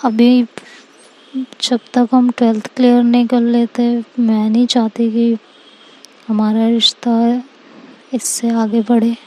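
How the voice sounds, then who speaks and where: A woman voicing a shy young woman who explains herself in halting, hesitant phrases. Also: on the high side, monotone, dark tone, poor audio.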